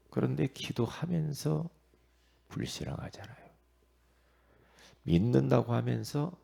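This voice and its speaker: A man's voice: medium pitch, creaky, mellow, slightly rough. A man preaching an early-morning prayer sermon as pastor, asking the congregation questions and repeating his points for emphasis.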